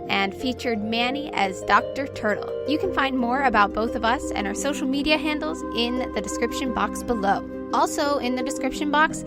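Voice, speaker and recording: High-pitched woman game master narrating. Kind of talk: narrating an actual-play game, then scripted credits.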